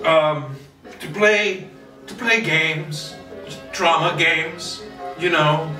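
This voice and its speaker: A man hosting a solo video, rambling casually in a theatrical, self-mocking, sweary way. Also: on the high side. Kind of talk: rambling casual monologue to camera. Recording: roomy echo, distant mic, faint music.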